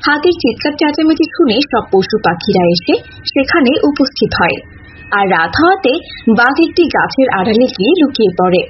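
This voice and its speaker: A female storyteller reads a cartoon fable from a script. Her voice is fairly high. The audio is a little dull, with light background noise. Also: very animated, a little fast. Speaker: narrator. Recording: muffled audio with faint noise.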